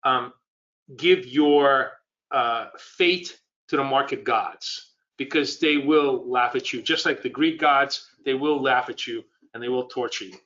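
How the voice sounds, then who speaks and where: Speaking a little slowly at medium pitch, this trading educator sounds bright and forceful despite a cold that leaves him scratchy, and the audio is lo-fi. In his live webinar he meanders conversationally and poses quiz questions to viewers.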